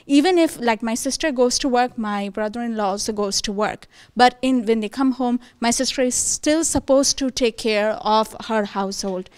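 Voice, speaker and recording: Woman, audience comment, halting, searching for words, somewhat high. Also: smooth. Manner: hesitant, many fillers and restarts. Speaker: audience member. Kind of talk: spontaneous comment in a panel discussion. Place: conference room.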